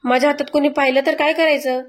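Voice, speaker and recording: A woman's voice: high voice, fairly even intonation, quick pace, close to an everyday voice. A woman voicing a scheming, gossipy young woman in a family drama recap. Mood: anxious. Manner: mocking, gossipy. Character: scheming young woman, sharp-tongued, gloating.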